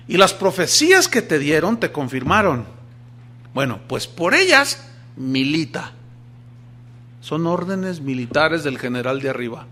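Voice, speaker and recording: Pastor preaching, emphatic storytelling, kinda high voice, asks the crowd questions. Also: male voice, bright, forceful tone. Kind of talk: sermon.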